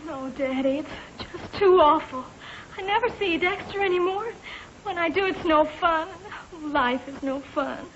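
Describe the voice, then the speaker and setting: High sulky teen girl, over a noisy old radio show. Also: measured pace, a bit bright, muffled recording. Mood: moping. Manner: dramatic, sulky. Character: upset teenage girl Corliss. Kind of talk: 1940s radio acting.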